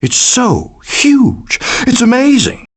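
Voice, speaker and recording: A man's voice: extremely high pitch, huge pitch swings, slow pace, slightly rough, heavily acted. A man voicing a melodramatic, doting father possum in a cartoon video game, with a pompous, theatrical, declamatory manner. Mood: urgent, excited. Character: melodramatic, hammy male possum, doting middle-aged father. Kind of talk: animated video game voice acting.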